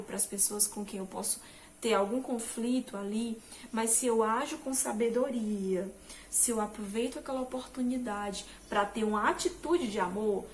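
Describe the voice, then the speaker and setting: Gentle Christian woman giving a devotional talk. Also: fairly high pitch, a little hiss or hum. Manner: gentle, reflective, with many fillers and rephrasings. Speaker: Christian motivational speaker.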